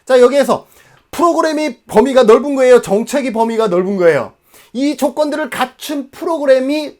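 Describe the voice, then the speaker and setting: Animated high-pitched man lecturing. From Jeju Island, South Korea. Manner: emphatic, asks rhetorical questions and answers them. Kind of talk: exam-prep lecture.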